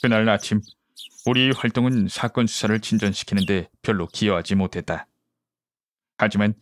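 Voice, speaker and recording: Lowish male audiobook narrator, measured mystery story reading, home recording but really dry. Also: dry recording.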